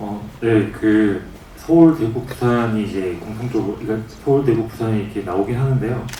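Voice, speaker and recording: A man with a slight Daegu accent talks at a fairly quick pace, medium in pitch with ordinary variation. Noticeable background noise and audible room echo surround him. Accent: slight Gyeongsang (Daegu) dialect. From Daegu, South Korea. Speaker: film director. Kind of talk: press conference Q&A. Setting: press screening event.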